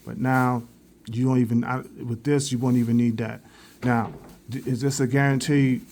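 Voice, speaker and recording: A man's voice: mid-range voice, flat delivery, moderate pace, a little mellow, slight background noise. Guy rambling thru a phone demo, keeps restarting, really pushing viewers to buy it. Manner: rambling and repetitive, with frequent restarts; earnest, directly urging viewers. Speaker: vlogger reviewing a phone. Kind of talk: casual product demo.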